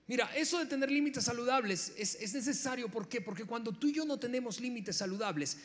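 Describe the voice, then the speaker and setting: High-voiced Mexican preacher in a hall. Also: male voice, lively intonation, fairly quick. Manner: emphatic, repeats key words, addresses listener directly. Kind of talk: sermon. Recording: long hall reverb.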